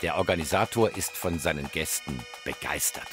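Guy doing tv news voiceover, lowish voice, lively, bagpipes going behind him. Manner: brisk, lively news delivery. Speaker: news reporter. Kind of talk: scripted voice-over narration. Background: bagpipe music.

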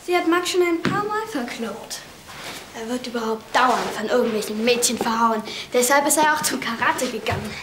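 A high-pitched, cheeky child played by a woman speaks bluntly in a scripted film scene. The sound is roomy, with clear noise behind the voice. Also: expressive, moderate pace, natural voice. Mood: matter-of-fact.

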